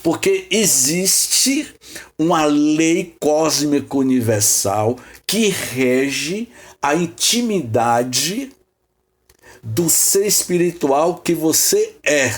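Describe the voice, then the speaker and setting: A man with a slightly high voice hosts an informal spiritist study talk. He meanders through the lesson, stumbling over repeated words, posing rhetorical questions and calling on listeners by name. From Salvador, Bahia, Brazil. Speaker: host leading a spiritist study session.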